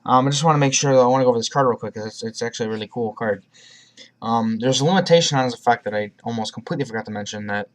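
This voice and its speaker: A man's voice: mid-range voice, very fast. Rambling man with a cough drop. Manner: rambling, frequent restarts and ums. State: has a cough, talking around a cough drop. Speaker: YouTuber presenting a card deck. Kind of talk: casual deck profile talk.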